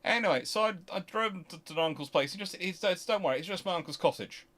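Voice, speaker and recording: A British man hosting a casual question-and-answer chat, talking in a rambling, halting way and often interrupting himself. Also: sits high. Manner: rambling, halting, animated anecdotes with self-interruptions. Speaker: host answering viewer questions.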